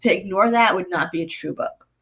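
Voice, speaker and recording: Woman, 40s, guest author; husky, lowish voice; loose, filler-heavy chat. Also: a little fast, a bit bright. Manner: chatty, many fillers and restarts. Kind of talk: casual interview chat.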